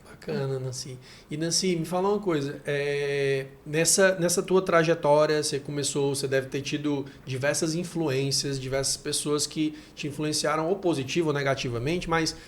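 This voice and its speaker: Host: energetic man, high voice, upbeat podcast intros and interview questions. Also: normal speed, a little hiss or hum.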